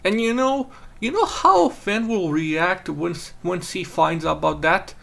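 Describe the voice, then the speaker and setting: Gravelly Serbian-accented man ranting. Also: high-pitched, measured pace. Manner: crude, excitable, animated when ranting. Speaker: channel host. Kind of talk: casual chat.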